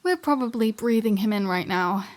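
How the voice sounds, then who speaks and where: A woman's voice: mid-range voice, animated, normal speed, close to an everyday voice. A woman playing a flirty, self-serving vampire in a scripted audio roleplay, speaking to the listener in a teasing, wry, conversational way. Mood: sardonic, chatty.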